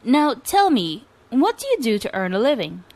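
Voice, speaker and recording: A mild, kindly older governor speaks calmly and gently to a lazy youth. A woman reading a fairy tale puts him on. His words are even and measured. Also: on the high side, no echo. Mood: gentle.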